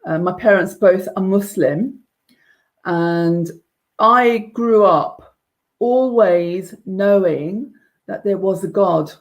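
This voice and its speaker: A woman of about fifty tells her life story as an interview guest, in an earnest, measured way. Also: medium pitch. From England. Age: around 50. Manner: earnest, measured, with some restarts. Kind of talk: personal testimony in conversation.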